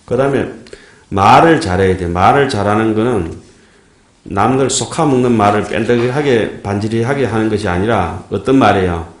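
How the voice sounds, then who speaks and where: In a temple dharma hall, a man delivers a Buddhist dharma talk in sermon style, folksy and full of jokes, frequently checking in with listeners by asking "예?". His pitch is fairly low and his pace moderate, with the room echoing around him.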